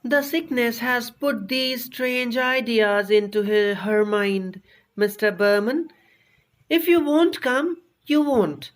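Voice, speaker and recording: A man doing a pleading young woman. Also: slow pace. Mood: reproachful. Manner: pleading, pitched up. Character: anxious young woman artist, caring friend.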